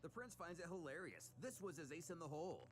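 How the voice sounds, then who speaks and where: A man's voice: fairly high pitch, expressive, fairly quick, loud music behind the voice. A man giving a dramatic scripted recap of a comic story as its narrator, in a theatrical storytelling manner. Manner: theatrical storytelling with voiced character lines. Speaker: narrator reading a comic aloud.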